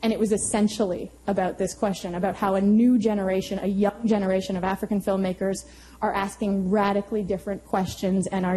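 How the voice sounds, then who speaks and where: A woman history professor giving thoughtful panel remarks to a university audience, pausing often to find her words. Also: mid-range voice, warm tone, a little hiss or hum, low-quality recording.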